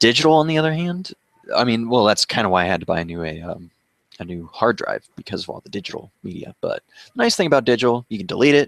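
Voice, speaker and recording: The voice is quiet and moves at a very fast pace. Its pitch swings very widely up and down. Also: man, medium pitch for a man, big swings in loudness, dry, close sound with no echo. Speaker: tech podcast co-host. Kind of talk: casual chat.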